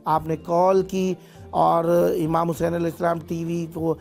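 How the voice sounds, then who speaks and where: Man, call-in show host, high voice with a rough fry, live on-air explaining, trips over foreign place names. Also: flat delivery, soft background music. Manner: thanks callers and blesses them warmly.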